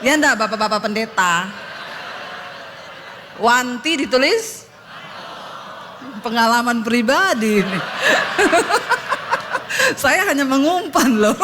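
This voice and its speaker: On a church stage, a middle-aged woman pastor shares a humorous testimony during a sermon, lively and joking as she acts out quotes. Her voice is on the high side and a little slow with frequent pauses, and background noise can be heard.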